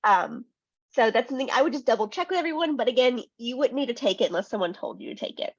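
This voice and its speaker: A woman's voice: on the high side, animated, quick pace, breathy edge, no echo. A woman with a cold, a test prep tutor giving a chatty webinar presentation, full of "um" and "right?". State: sniffly from a cold. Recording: dull lo-fi webinar audio.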